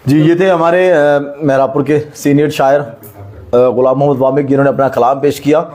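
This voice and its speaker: A man hosting an online poetry gathering, speaking in a formal, courteous and halting way. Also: mid-range voice, fairly even intonation, dark tone. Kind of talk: live event hosting with appreciative interjections.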